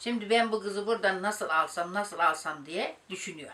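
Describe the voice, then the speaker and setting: Over noticeable background noise, a woman talks fairly slowly at a medium pitch with lively intonation. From Central Anatolia, Turkey. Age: old. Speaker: village storyteller grandmother. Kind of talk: folk tale telling.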